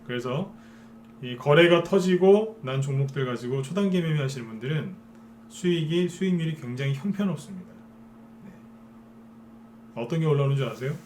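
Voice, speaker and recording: A man's voice: fairly high pitch, lively intonation, normal speed, long pauses, darkish tone, slight background noise. Persuasive male stock lecturer. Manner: persuasive, keeps asking listeners to agree. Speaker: stock market broadcaster. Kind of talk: live stock trading lecture.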